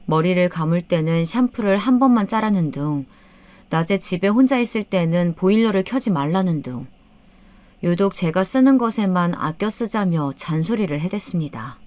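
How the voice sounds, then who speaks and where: A woman's voice: on the low side, animated, normal speed, a little mellow. A woman narrating a first-person story as an aggrieved older mother, in a subdued, rueful manner.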